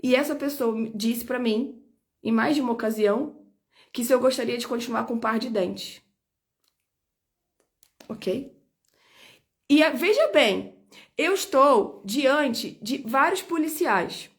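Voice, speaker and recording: A high-pitched woman speaks to the camera in a personal video statement. She sounds indignant and insistent, stressing and repeating her points as she lays out her side. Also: expressive, takes it slowly, pauses often. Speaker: lawyer recounting her own detention.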